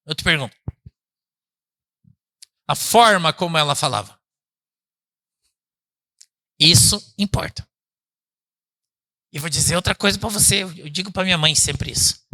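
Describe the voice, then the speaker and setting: Bright-voiced male pastor preaching casually. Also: unhurried, long pauses. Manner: chatty, asks the congregation "né?" and calls them "irmão"; swings from loud emphatic bursts to low quiet asides. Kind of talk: conversational sermon. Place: church service.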